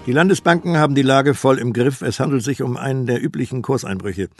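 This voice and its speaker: A man's voice: mid-range voice, fast talker, loud music behind the voice, close to an everyday voice. An old man doing a slick stock expert. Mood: reassuring. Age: 80s. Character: smooth male TV stock expert, reassuring.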